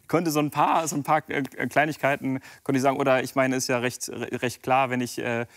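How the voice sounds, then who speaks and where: A relaxed German-speaking magician. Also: male voice, medium pitch, brisk. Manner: relaxed, self-deprecating, explaining step by step. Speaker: magician guest. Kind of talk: casual TV studio chat with a card trick.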